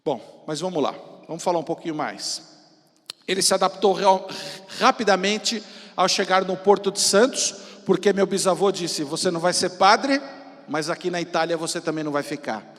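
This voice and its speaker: A man in his fifties speaks from a stage in a notably high-pitched voice with a São Paulo Brazilian accent. He tells personal stories like an entrepreneur on the festival circuit, informal and theatrical with emphatic pauses. His words ring with the long reverb of a large hall. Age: 50s. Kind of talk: motivational personal-story stage talk.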